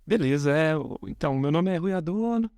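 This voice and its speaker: A man around forty from Belo Horizonte, speaking as a guest in a casual podcast conversation, relaxed and thoughtful, often correcting himself mid-sentence. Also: a little high, brisk, dry recording, clean studio sound. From Brazil, Belo Horizonte. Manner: relaxed, thoughtful, frequent self-corrections, chuckles softly. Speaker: guest, software engineer.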